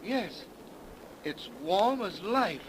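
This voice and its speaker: Nervous, excitable haunted-house explorer, high-pitched, animated swings, jittery hesitant delivery, 1930s radio drama. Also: male voice, drawn-out words, exaggerated voice. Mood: shaken. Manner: jittery, hesitant, breaking into hysteria. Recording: noisy 1930s radio broadcast recording.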